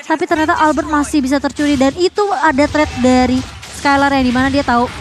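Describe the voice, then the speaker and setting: An Indonesian woman commentates an esports match live. Her voice is high, and she explains the plays in a conversational way. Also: fairly even intonation, quick pace.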